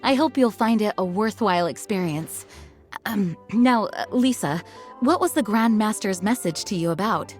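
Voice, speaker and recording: A woman voicing a composed adult woman officer who explains traditions in a formal, measured way, in a video game. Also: medium pitch, lively intonation, a little mellow, natural voice. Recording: game audio with faint music.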